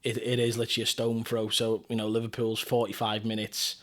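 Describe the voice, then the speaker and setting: A man's voice: on the low side, completely flat delivery, fairly quick, a bit bright. A man from North Wales with a North Welsh accent, a singer-songwriter chatting casually as a podcast guest in a rambling, easygoing way. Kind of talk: casual chat.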